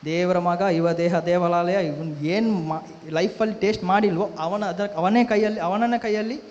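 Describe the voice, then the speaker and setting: Man doing a mocking devil, gloating, slow and scornful, highish voice, echoey hall. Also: steady tone, a little mellow, lightly acted. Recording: echoey hall, dull lo-fi sound.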